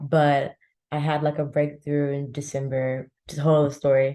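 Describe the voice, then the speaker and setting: Very deep, low female voice, dark and mellow, in a monotone, flat intonation at a moderate pace. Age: 20s. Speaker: arts course participant, software engineer. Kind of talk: online presentation. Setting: live online stream.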